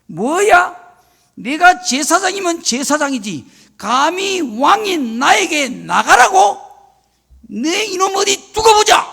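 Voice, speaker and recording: An older pastor voicing an angry, proud ancient king in a sermon retelling, shouting indignantly. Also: very high voice, big pitch swings, takes it slowly, vocal fry, pitched above the performer's own voice, exaggerated voice. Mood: enraged. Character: furious proud ancient king, male, adult.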